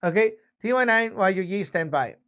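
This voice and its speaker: A man's voice: sits high, expressive, moderate pace, a bit bright, smooth. A man teaching in a casual, conversational way, explaining step by step and often checking that listeners follow. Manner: conversational, frequent check-ins, spells things out step by step. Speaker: instructor teaching radio communication basics. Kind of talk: casual spoken lesson with acted-out example exchanges.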